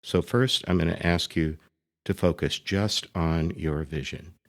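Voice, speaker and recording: A priest leads a guided meditation in a deep voice with vocal fry, speaking gently and deliberately and pausing between short phrases.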